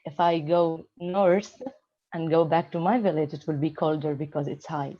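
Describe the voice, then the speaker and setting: Woman from a village up north in palestine, talks slow and halting, low mellow voice, muffled call audio. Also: steady tone. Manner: hesitant, halting, with frequent fillers. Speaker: theatre actor, guest. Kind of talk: conversational interview over video call. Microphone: video call. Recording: dull lo-fi video call audio.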